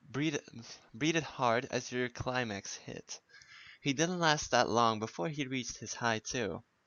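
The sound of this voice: Unforced voice reading aloud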